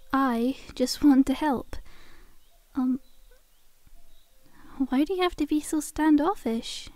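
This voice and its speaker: Girl doing a friendly zombie girl for asmr, soft mellow high voice, sly n coaxing, acts all innocent. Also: no room sound. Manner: coaxing, chummy, casual, faux-innocent. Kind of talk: ASMR roleplay acting.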